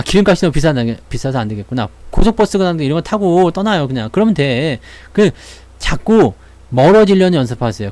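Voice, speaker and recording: A man's voice: a little high, a little mellow, no room sound. A man hosting a stock market channel, talking in a casual, playful way and acting out little voices as he chats. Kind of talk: casual chat.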